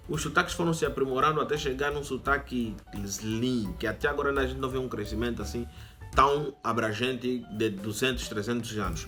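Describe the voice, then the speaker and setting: A man's voice: mid-range voice, bright, forceful tone. A young Angolan man with an Angolan Portuguese accent, hosting a channel and explaining casually with asides to viewers. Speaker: YouTube channel host. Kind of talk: casual educational monologue.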